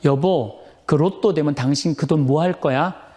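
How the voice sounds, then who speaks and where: A man performs in a put-on character voice at a fairly high pitch. He keeps a moderate pace. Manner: coy, coaxing.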